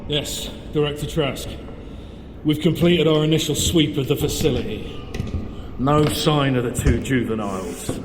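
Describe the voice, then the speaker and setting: A man playing a dutiful mercenary captain in an audio drama, speaking in brisk military fashion. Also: fairly high pitch, close to an everyday voice. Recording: reverberant, faintly noisy.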